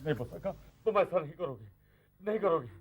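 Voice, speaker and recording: A man's voice: fairly high pitch, expressive, a little fast, over music. An actor playing a frightened male priest and father, anxiously pleading for help. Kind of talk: TV drama acting.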